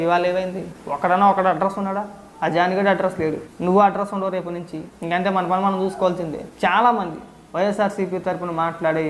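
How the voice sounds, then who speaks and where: An online political commentator rants straight at the camera, scolding, lecturing and firing off rhetorical questions. His voice is high, with a little hiss or hum in the recording.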